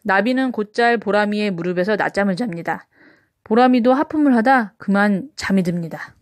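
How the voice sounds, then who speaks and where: A woman narrating a children's picture book aloud in an expressive read-aloud style. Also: mid-range voice, moderate pace, no echo, clean studio sound. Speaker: storybook reader.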